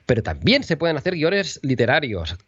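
A man from who is a radio broadcaster and voice teacher, speaking in a lively conversational way and losing his voice a bit. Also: on the high side, normal speed, slightly rough, no echo, highs cut off. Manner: lively, teaching with mock intonation examples. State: losing his voice, sipping water. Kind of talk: conversational interview.

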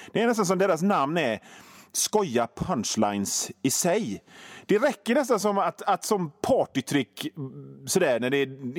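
A man's voice: mid-range voice, no room sound, clean studio sound. A middle-aged man hosting a radio show, telling absurd made-up stories with swearing and big swings in his delivery. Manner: absurd tall tales told with lively swings and swearing. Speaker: radio host. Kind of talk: comic storytelling on radio.

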